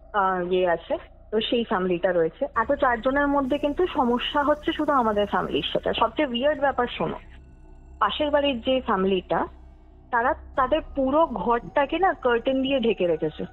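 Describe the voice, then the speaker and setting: High-voiced young woman on tinny phone. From West Bengal, India. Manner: mixes English words, often checks listener follows. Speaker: podcast guest telling her true ghost story. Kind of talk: conversational personal storytelling. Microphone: phone call. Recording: tinny phone call, music underneath. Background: background music.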